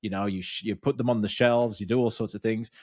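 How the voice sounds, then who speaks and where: A man in his thirties with a Birmingham accent, giving blunt, energetic business coaching straight to camera and swearing freely. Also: fairly low pitch, quick pace, dry recording, studio quality. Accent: Birmingham English. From Birmingham, England. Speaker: business coach and podcast host. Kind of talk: direct-to-camera coaching talk. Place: small dark studio room with bookshelves. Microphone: studio mic on boom arm.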